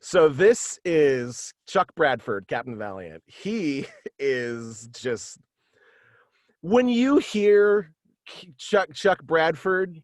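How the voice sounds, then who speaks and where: Dry-sounding man, halting chat. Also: fairly high pitch, dry recording. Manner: halting and animated, slipping into quoted dialogue. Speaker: guest, voice actor and author. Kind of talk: casual interview chat about own radio play. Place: indoors at home, on a video call. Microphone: video call.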